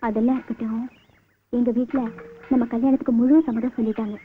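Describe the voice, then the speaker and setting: A woman's voice: on the high side, little pitch movement, fast, slight background noise, natural voice. An actress playing an anxious, devoted young village woman in love, speaking in a pleading, emotional way in an old film drama. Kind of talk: 1990s film drama dialogue. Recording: tinny old film soundtrack with music.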